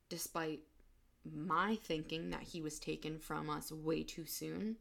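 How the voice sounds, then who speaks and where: A young woman hosting a personal podcast, talking in a halting, emotional way and close to tears. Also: sits low, creaky. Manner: emotional, halting, soft-spoken. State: tearful. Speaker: podcast host.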